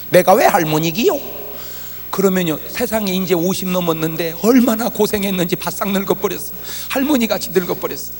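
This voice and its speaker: A man pastor preaching a revival sermon, swinging from soft talk to shouting and acting out quoted prayers. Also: high voice. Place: large church hall with congregation. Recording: church hall reverb, faint ambience.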